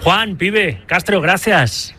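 A male sports radio host with a bright, forward voice pitched a little high. He moves from topic to topic briskly and throws questions to his guests. Faint noise sits underneath. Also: lively intonation.

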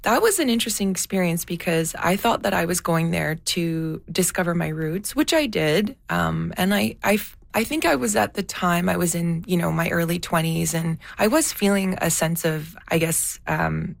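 A woman documentary filmmaker answering interview questions thoughtfully, often pausing and restarting as she searches for words. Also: lowish voice, expressive, vocal fry, dry recording.

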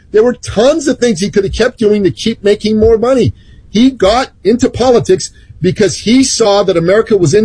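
A woman's voice: mid-range voice, dark tone, husky, dry recording, poor audio. A woman from Iran, a guest commentator making emphatic, indignant political points. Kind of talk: political talk.

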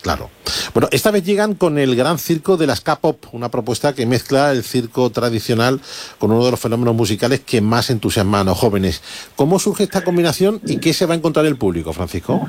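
A man's voice: mid-range voice, animated, fairly quick, a little mellow. A man hosting a radio show, reading a polished intro and then interviewing a guest. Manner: polished and eloquent when reading. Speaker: radio host.

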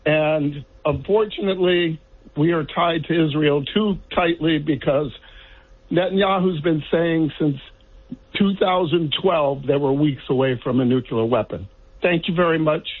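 A man's voice: a little high, unhurried, husky. A man from the Virgin Islands calling in to a radio show, making direct points one by one. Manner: direct, lists numbered points. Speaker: caller. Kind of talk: call-in radio question. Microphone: telephone. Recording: tinny phone line.

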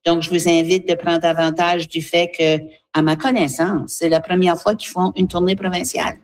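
A woman, a guest speaking earnestly for a seniors' association, pausing often with fillers. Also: on the low side, flat delivery. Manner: earnest, halting, with many fillers. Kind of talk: radio interview, advocacy.

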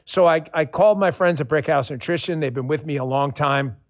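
A man's voice: a little high, fairly quick, no room sound, clean studio sound. A man as a radio host giving a casual, persuasive sponsor endorsement. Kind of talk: conversational sponsor read.

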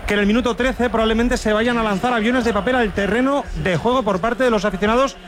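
A man's voice: very high voice, steady tone, fast, slight background noise. A man reporting live as a sports radio reporter.

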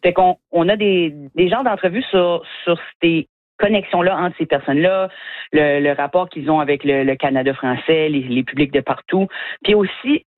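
A woman's voice: sits low, normal speed, no room sound. Chatty Acadian woman on a phone line. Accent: Acadian French. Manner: chatty, laughs easily, restarts words. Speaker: comedian guest. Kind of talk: radio phone interview. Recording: tinny phone line, dry.

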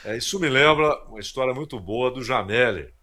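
A man's voice: mid-range voice, a little fast, bright, forceful tone. A man commentating on a radio sports show, telling anecdotes and repeating words as he thinks. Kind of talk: casual radio chat.

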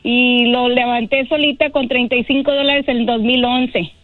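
Chatty high-voiced woman on a phone line. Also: fairly even intonation, normal speed, no echo, soft background music. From Mexico. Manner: chatty, laughs easily. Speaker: guest, bridal shop owner. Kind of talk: phone-in radio interview.

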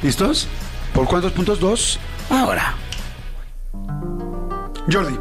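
Radio host, 50s, high-pitched, excitable, over loud music. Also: male voice, slow. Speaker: radio host running a song quiz. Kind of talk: lively radio banter.

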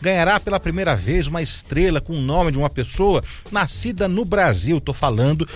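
A man's voice: fairly high pitch, lively intonation, brisk. A man presenting a chatty radio segment, telling a story with many fillers and asides to his co-host. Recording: radio broadcast with faint music behind.

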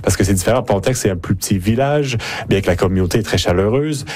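A man's voice: on the low side, quick pace, darkish tone. A man interviewing two priests for radio, asking friendly questions with brief affirmations.

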